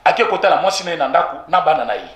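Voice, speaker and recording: A Congolese man with a Congolese French accent, giving an animated political opinion that mixes French with Lingala and repeats points for emphasis. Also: a little high, fast, echoey room. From Congo (DRC). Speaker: political commentator. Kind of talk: heated political street interview.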